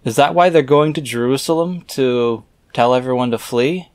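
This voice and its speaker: A man's voice: mid-range voice, moderate pace, darkish tone, clean tone, no echo. Wry man reading aloud, close and dry. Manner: wry, skeptical asides. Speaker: reader and commentator. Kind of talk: reading scripture aloud with offhand commentary.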